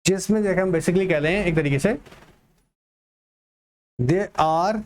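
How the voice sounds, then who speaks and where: High-pitched male tutor mixing Hindi and English. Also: darkish tone. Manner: asks and answers his own questions, slows to read English text aloud; mixes Hindi with English terms. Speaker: online tutor. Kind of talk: exam-prep lecture.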